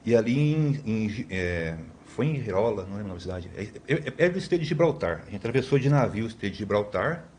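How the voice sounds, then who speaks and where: A man's voice: fairly low pitch, animated, quick pace, few pauses, a little mellow, slight background noise. A man in his fifties from Brazil, a podcast guest telling long stories in a rambling way, with many tag questions and restarts. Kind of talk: conversational storytelling.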